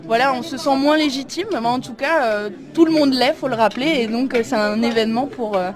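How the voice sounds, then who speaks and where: A woman speaks haltingly, with lots of fillers and pauses, her voice a little high. She is recorded outdoors at a street market, and a steady crowd chatters around her. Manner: hesitant, many fillers. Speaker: community association worker. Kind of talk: street interview.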